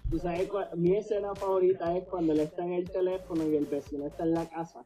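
A man who is a guest on a casual chat, talking in a relaxed way and mixing English words into his Spanish. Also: sits high, quick pace, soft background music.

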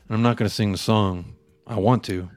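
A married man co-hosting a casual fan podcast, excitable and slangy, often acting out quotes. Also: on the low side, brisk, smooth, no echo. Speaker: podcast co-host.

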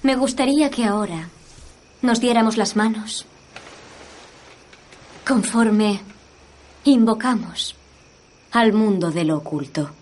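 An actress playing a solemn young spiritualist medium, slowly invoking spirits in a film dub. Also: female voice, medium pitch, darkish tone. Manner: slow, theatrical séance-medium invocation. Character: solemn, theatrical young woman séance medium. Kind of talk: film dub acting, séance invocation.

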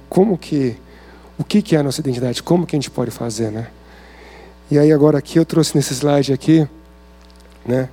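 Brazilian guy preaching at a men's meeting, gravelly low warm voice, chatty, lots of questions. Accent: Brazilian Portuguese. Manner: conversational, rhetorical questions, many fillers. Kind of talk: informal sermon.

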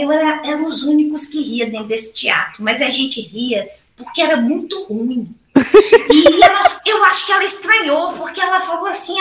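A woman chats as a podcast guest, telling funny stories with a lot of laughter. Her voice sits a little high and sounds bright and forceful. The room is echoey, with a faint hiss behind her. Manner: lively storyteller, laughs a lot. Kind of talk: casual podcast chat.

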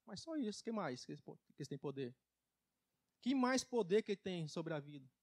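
High-voiced emphatic male preacher. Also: big pitch swings, a little fast. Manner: emphatic, swinging loudness and pitch; folksy, laughs at his own jokes. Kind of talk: church sermon testimony. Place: church service.

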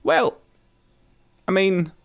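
A man voicing a gentle young Scottish woman in her twenties, a media student, in a read-aloud story. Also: high-pitched, big pitch swings, drawn-out words, creaky, clean tone, voice pushed up, full character voice. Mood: eager. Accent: Central Belt Scottish.

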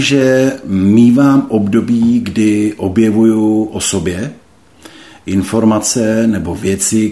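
A middle-aged man slowly and thoughtfully recounting a personal faith experience, hesitating often. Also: on the low side, mellow. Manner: slow, hesitant, thoughtful, many pauses and fillers. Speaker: interview guest. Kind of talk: reflective personal testimony.

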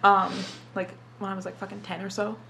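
In a mid-range, gravelly voice that's bright and forceful, a young woman answers casual interview questions at a brisk clip with a level tone, and a faint hiss or hum runs underneath. Raised in Dubai with Arabic as her first language, she swears freely and says "like" often.

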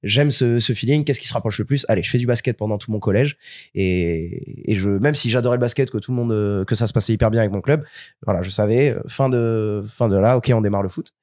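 A man's voice: on the low side, fairly quick, no echo. Talkative young French man, dry sound. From France. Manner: animated storyteller, repeats words as he restarts. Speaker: guest. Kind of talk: casual interview chat.

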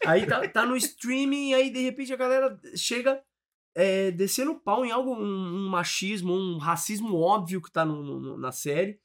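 Brief: male guest, high voice, rambling reflective talk, swears freely. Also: a little slow, a bit bright. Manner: thinking aloud, restarts, swears casually. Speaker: comedy group member. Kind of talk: casual interview chat.

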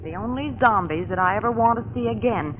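A woman's voice: fairly high pitch, lively intonation, brisk, natural voice. An actress playing a witty, worldly lady companion in old radio drama, with a wry, breezy manner. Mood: wry, relieved. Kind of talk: 1930s radio drama acting. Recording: tinny, noisy vintage radio.

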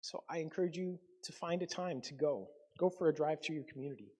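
A man's voice: on the high side, quick pace, mellow, slightly rough. A man from Canada preaching a conversational sermon to his congregation, with frequent ums and self-corrections. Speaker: pastor.

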